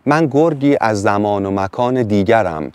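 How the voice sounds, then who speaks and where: A man voicing a wise wolf from another time in a storybook reading, speaking low and slow. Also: lively intonation, darkish tone, clean tone, no room sound, lightly acted. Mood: solemn.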